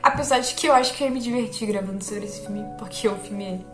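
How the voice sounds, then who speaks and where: A woman's voice: medium pitch, fast, roomy sound, music in the background. A young woman chatting casually about a film she liked, chatty and self-deprecating, often checking in with her viewers. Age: young adult. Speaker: film vlogger.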